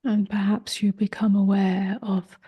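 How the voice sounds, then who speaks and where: A woman leading a guided meditation, speaking softly in short phrases with long pauses, gentle and often close to a whisper. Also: medium pitch, level tone, dull audio. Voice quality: soft, breathy, husky, often near a whisper. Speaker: meditation teacher.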